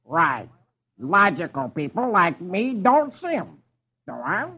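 A man's voice: sits high, very animated, slow, breathy edge, voice pushed up, full character voice. Man doing a blustery know-it-all cartoon duck, swoopy voice, muffled old radio. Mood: blustering. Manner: blustering, stumbles over long words. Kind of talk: 1950s radio reading of comic strips. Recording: dull old radio recording.

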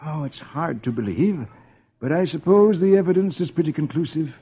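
Man doing a regretful old gentleman. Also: fairly high pitch, husky. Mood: sad. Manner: slow, regretful. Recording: dull old radio broadcast with music.

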